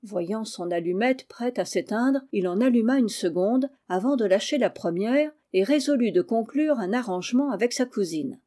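A woman's voice: on the high side, expressive, moderate pace, hardly any pauses, warm tone. A woman narrating a classic children's novel as an audiobook, reading steadily and doing all the character voices. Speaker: audiobook reader.

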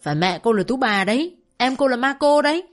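A woman's voice: on the high side, animated, a little fast, soft background music, pitched above the performer's own voice, lightly acted. A woman playing a tearful, scolding brothel-keeper mother. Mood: furious. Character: bitter middle-aged mother running a brothel.

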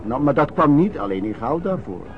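An actor playing an old vagrant in a radio drama, reminiscing in a colloquial, halting way and repeating words. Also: male voice, medium pitch, very animated, soft background music. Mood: earthy reminiscing. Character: old vagrant recalling wartime lodging-house life, earthy storyteller. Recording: muffled old radio recording, background noise.

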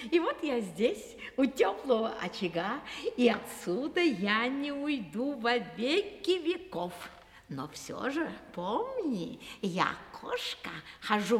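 A proud, teasing cat purrs out long meows in a high, lively voice that swoops up and down. She speaks slowly and savours every word. The vintage radio play carries a long, hall-like reverb. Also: exaggerated voice. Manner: purring, teasing, drawn-out meows. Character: sly, proud, independent female cat.

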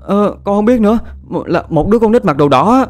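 A man's voice: fairly high pitch, expressive, fast, faint music behind, pitched above the performer's own voice, natural voice. A man voicing a frantic young woman who talks breathlessly and stammers. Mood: panicked.

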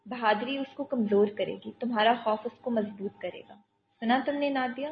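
Woman voicing a young male army captain, calm, commanding, coaxing, slightly high voice, storybook reading. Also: highs cut off, slight background noise, natural voice. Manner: steady, coaxing, talks a frightened child through danger.

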